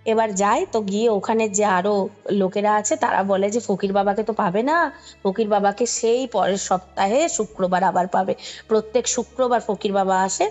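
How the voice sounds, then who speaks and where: This podcast guest, a woman with a Kolkata Bengali accent, shares a ghost story in a mid-range, slightly mellow voice, explaining along the way and checking in with whoever's listening. The audio is dull.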